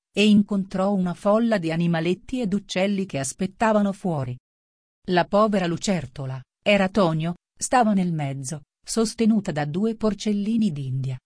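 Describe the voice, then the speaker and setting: Woman audiobook narrator, low-set voice, dry, steady scripted reading. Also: no room sound. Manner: reads punctuation marks aloud. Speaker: audiobook reader.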